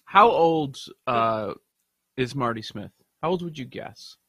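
A man from Chicago co-hosting a sports podcast, telling stories in a lively, animated way. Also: medium pitch, slow, dry recording. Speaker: podcast co-host. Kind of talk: casual chat.

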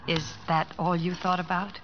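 An actress playing a gentle, devoted young American wife in an old-time radio drama, speaking with tender poise. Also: female voice, on the low side, background noise. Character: gentle, devoted young sweetheart and wife, narrating her memories. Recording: dull vintage radio recording, music behind.

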